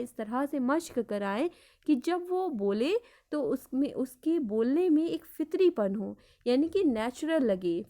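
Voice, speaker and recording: A woman with an Indian Urdu accent teaching an online class, explaining slowly and repeating each point, with English words mixed in. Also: fairly high pitch. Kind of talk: online lecture.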